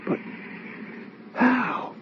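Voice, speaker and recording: An actor playing a troubled, sickly young gentleman from a well-off family, weary, brooding and quick to snap, in an old radio drama. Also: noisy background. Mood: alarmed. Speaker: narrator and lead character. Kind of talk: 1940s radio acting. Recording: dull old radio recording.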